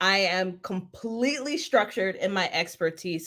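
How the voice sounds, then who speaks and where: In a very clean recording with a silent background, a woman with a New York accent swings her pitch very widely. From Jamaica, Queens, New York City. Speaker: speaking coach, former teacher. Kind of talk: live-stream coaching talk. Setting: live stream.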